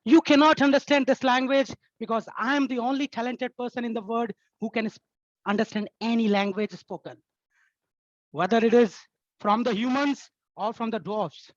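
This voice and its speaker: A woman telling a tall tale as a theatrical contest speech, in short, halting, dramatic phrases. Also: on the high side, no room sound, muffled recording.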